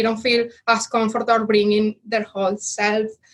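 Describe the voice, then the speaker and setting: Over background music, a woman speaks fairly slowly at a fairly high pitch. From Venezuela. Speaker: tech leader. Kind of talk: panel discussion.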